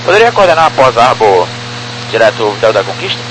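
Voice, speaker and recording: A man speaking quickly over a cockpit headset radio, his words coming through as a transmitted pilot call. He keeps to terse, formal aviation phrasing with clipped requests, and music sits clearly behind him. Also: mid-range voice, big pitch swings, rough recording. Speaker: airline pilot.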